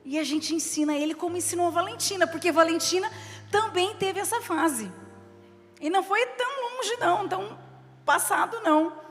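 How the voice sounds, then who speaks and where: High-voiced Brazilian woman preaching. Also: moderate pace. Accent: Brazilian Portuguese. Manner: expressive preaching, reads scripture then explains with family stories. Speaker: bishop preaching. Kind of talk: sermon. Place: church service hall. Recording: reverberant hall with faint music behind.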